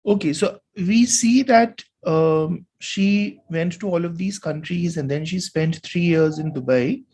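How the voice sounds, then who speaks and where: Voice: medium pitch, measured pace, darkish tone, husky. A tutor reading a test passage aloud and explaining which answer is correct, checking in with "right?" as they go. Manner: talks through reasoning, asks "right?" for checks.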